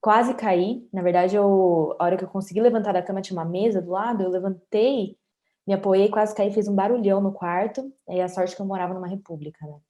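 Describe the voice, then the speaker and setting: A woman's voice: mid-range voice, a little fast, mellow, highs cut off. A woman in her late twenties with a Brazilian Portuguese accent, telling her own story candidly and conversationally as an interview guest. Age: 20s. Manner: candid, conversational, often adds tag questions.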